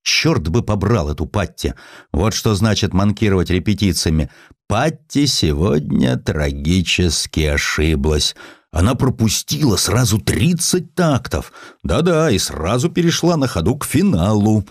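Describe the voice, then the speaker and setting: An indignant orchestra musician, voiced by a male narrator in an audiobook, grumbling with excitement. The low voice jumps around in pitch. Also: a little slow, dry recording, studio quality, full character voice. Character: agitated orchestra musicians, indignant, gossiping men.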